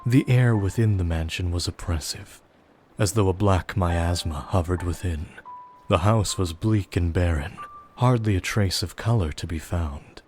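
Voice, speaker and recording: A man narrating a gothic audio drama as a somber storyteller, grave, measured and literary. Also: deep voice. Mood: grave, bleak. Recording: loud music behind the voice.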